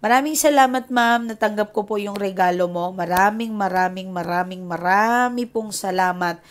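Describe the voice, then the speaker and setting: A woman's voice: mid-range voice, normal speed. A woman tarot reader with a Filipino accent, casually telling viewers a client's story and voicing the quoted lines, now and then dropping to a whisper. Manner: recounts a client's story with quoted dialogue, mixing Tagalog and English.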